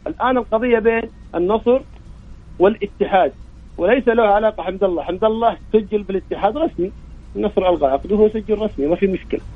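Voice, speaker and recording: Male Saudi phone-in caller, rapid-fire and insistent, thin telephone sound. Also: high-pitched. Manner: insistent, argues with rhetorical questions. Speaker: caller to a sports show. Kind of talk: opinionated phone-in discussion. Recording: narrow, tinny phone line.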